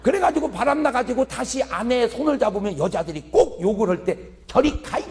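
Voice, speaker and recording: High, lively joking preacher man. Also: fast, long reverb tail. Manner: animated, joking, chuckles through lines. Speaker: pastor. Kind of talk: humorous revival sermon.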